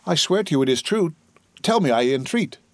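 A man's voice: a little high, quick pace, dry recording, pitched above the performer's own voice, lightly acted. A man voicing a desperate young sailor held prisoner, pleading in an earnest, agitated way in a storybook reading.

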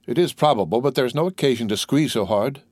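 A man's voice: medium pitch, animated, fast talker, a little mellow, dry recording, natural voice. A man voicing a stern gendarme guarding a prisoner in a storybook reading, blunt and dry in manner. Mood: matter-of-fact. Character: gruff male prison guard, wry and stern.

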